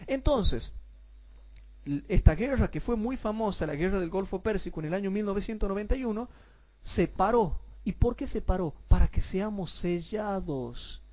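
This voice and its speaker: A man teaching a Bible class, asking rhetorical questions and calling his listeners brothers, and repeating points slowly so everyone follows. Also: sits high, animated, darkish tone, dull audio.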